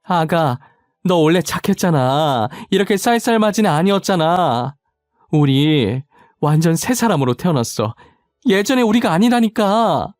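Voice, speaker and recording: A man's voice: a little high, lively intonation, a little slow, darkish tone, no room sound, pitched above the performer's own voice. A whiny, pleading older mother-in-law begging for forgiveness in a storybook reading, as a man puts her on. the voice is raised well above his own and has a close, dry sound. faint music plays underneath. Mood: coaxing.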